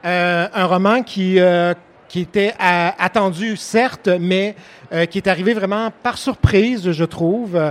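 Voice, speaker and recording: A man with a high voice interviews a guest on a book fair stage. He halts often and fills his gaps with fillers. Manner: many fillers, halting. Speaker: bookseller and literary host. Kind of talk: hesitant interviewer.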